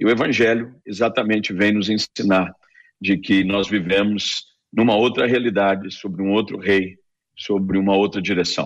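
The speech comes at a moderate pace with monotone, flat intonation. Loudness stays very even over a quiet background. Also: man, fairly low pitch for a man. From Rio de Janeiro, Baixada Fluminense. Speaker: pastor, debate panelist. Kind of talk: radio panel debate, preaching style. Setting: radio studio.

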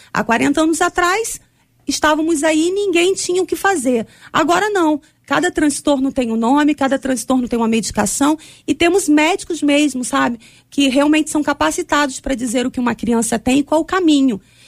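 With lively intonation and very even loudness, a woman with a high pitch speaks at a moderate pace in a dry, close sound with no echo. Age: 40s. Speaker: pastor. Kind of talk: radio panel debate.

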